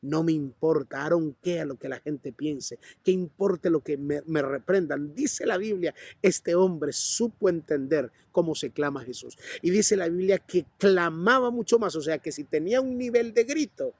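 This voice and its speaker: A Colombian man preaching from the pulpit with fervor, his voice slightly husky and fairly high for a man. He throws himself into the story and acts out the shouts of its people. The sound is close and dry. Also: animated, normal speed, no echo. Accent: Colombian Spanish. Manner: passionate preaching, acts out bystanders and the blind man's cries. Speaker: pastor. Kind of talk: sermon. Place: church.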